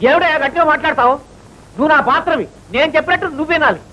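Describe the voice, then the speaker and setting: An actor playing a flustered, pompous writer in a film comedy, with a theatrical manner. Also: male voice, very high voice, very fast, bright, forceful tone. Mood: fussy. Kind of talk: 1980s film comedy acting. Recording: dull old film soundtrack with faint hiss.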